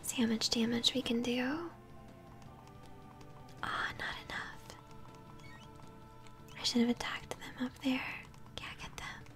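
Whispering young woman, slow ASMR gamer. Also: fairly high pitch, steady tone, faint music behind. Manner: whispering, gentle. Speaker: host, gamer. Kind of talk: ASMR let's-play commentary. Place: small room at home, indoors.

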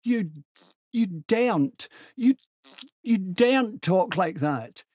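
A man acting a prim, affronted literary gentleman, pitched up. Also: steady tone, measured pace, slightly rough, no room sound, clean studio sound. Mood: outraged stammer. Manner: stiff, hesitant, affected.

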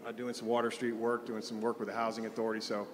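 A man introducing his construction firm on a panel, halting with fillers. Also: lowish voice, completely flat delivery, slight background noise. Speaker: construction general manager, panelist. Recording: reverberant conference hall.

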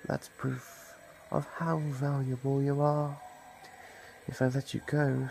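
Man playing a gravelly, slow, gloating ancient monster. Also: mid-range voice, noisy background. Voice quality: creaky, gravelly. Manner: slow, savoring, taunting delivery with long pauses. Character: ancient predatory monster, menacing, gloating, possessive, playful. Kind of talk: ASMR audio roleplay.

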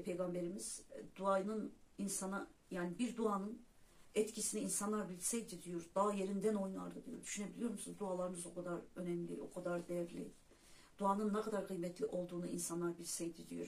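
A woman hosting her own spiritual vlog, talking in an unhurried, personal way and pausing on fillers as she speaks to her viewers as friends. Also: on the low side, darkish tone. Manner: hesitant fillers between phrases. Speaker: YouTube channel host. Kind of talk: casual spiritual vlog monologue. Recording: distant mic with faint background noise.

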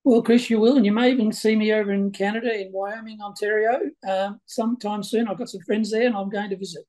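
Councillor, 60s, from Ireland, webcam call, relaxed dark tone, rambling casual delivery. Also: male voice, high voice, fast talker. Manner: chatty, repeats words as he speaks. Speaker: local councillor. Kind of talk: video call interview. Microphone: video call webcam.

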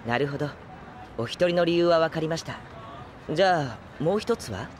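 Gentle, lighter-pitched young man played by an actor. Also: lively intonation, normal speed, close to an everyday voice. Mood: mild, curious. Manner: mild, polite, soft questioning. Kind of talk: anime-style audio drama acting. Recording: clear background ambient noise.

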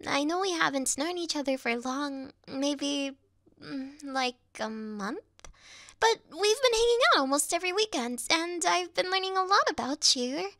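A woman playing a sweet, clingy young yandere video game girl in a soft, coy, cutesy ASMR roleplay style. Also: high voice, expressive, moderate pace, dry recording, clean studio sound, exaggerated voice. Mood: coy, affectionate.

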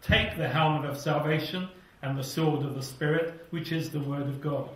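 Older British male preacher, fervent, drops to a hush at phrase ends; distant, very reverberant hall. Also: a little high, steady tone, normal speed. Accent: British English. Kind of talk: sermon with scripture reading. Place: small church hall with seated congregation. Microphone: lapel mic. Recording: echoey hall, somewhat far from mic.

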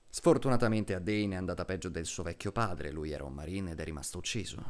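A man playing a solemn middle-aged military officer in a film dub, speaking to a child in a measured, deliberate way with dramatic pauses. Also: on the low side, darkish tone, lightly acted. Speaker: voice actor dubbing a film character.

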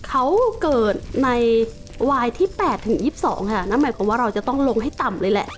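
High-voiced Thai woman gaming commentary. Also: expressive, brisk, soft background music. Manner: playful, mock-villain taunts at game creatures; polite sentence endings, explains game facts. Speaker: gaming YouTuber. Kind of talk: playing Minecraft with running commentary.

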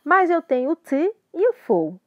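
A woman's voice: high-pitched, very animated, measured pace, dry recording, narrow, tinny audio. A woman with a Brazilian Portuguese accent teaching an English grammar lesson, patiently explaining and often checking that students follow. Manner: patient, repeats and checks understanding.

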